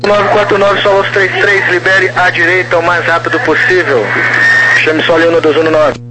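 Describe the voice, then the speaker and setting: A man working as an air traffic controller, giving measured, formal instructions in clipped radio phraseology, heard over a two-way radio. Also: high voice, flat delivery. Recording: noisy radio transmission.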